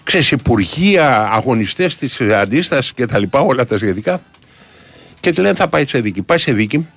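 A man's voice: mid-range voice, husky. A man, co-hosting a sports radio show, telling an anecdote in casual chat and acting out the voices he quotes. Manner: animated storyteller, acts out quoted voices.

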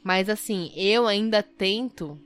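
A woman's voice: mid-range voice, slow, clear, resonant tone. Playful Brazilian woman telling stories. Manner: exaggerated, playful storytelling. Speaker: podcast co-host. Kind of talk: casual chat.

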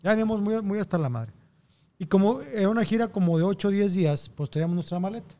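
A man with a Mexican accent telling a travel anecdote in a relaxed, joking podcast chat. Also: high voice, fast talker. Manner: laid-back anecdotal storytelling. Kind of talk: casual comedy chat.

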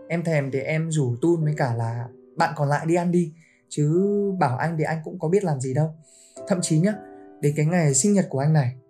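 A woman hosting a casual podcast, telling a story about a friend with lively quoted lines. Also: sits low. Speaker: podcast host.

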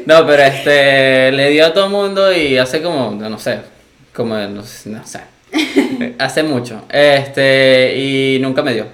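A man's voice: mid-range voice, takes it slowly, fairly bright tone. A Venezuelan man chatting as a guest in a casual interview, easygoing and laughing along, with hesitant fillers. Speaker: singer guest. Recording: roomy echo.

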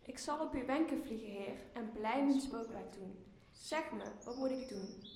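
A woman's voice: a little high, measured pace, a little mellow. A young woman playing an obedient, inquisitive air spirit in a Dutch radio play, deferential to a master. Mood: willing, curious. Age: young adult. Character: obedient airy spirit servant, willing and inquisitive. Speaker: drama student actor. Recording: echoey room with faint noise.

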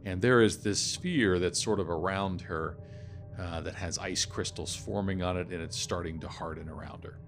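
Middle-aged male GM, very deep with some gravel, improvising a tabletop story over faint music. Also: moderate pace. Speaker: narrator and game master. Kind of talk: improvised tabletop game narration.

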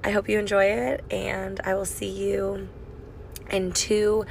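A raspy young woman hosting a casual solo podcast, chatty and swearing freely, recorded on a phone mic in her car. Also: medium pitch, monotone, slow pace, a little hiss or hum, low-quality recording. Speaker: podcast host. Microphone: phone microphone.

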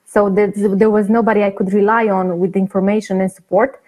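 A woman answers as an interview guest over a video call. She speaks hesitantly, with frequent fillers and restarts, at a mid pitch. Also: little pitch movement, fairly quick, darkish tone. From Romania. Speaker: guest, patient advocate.

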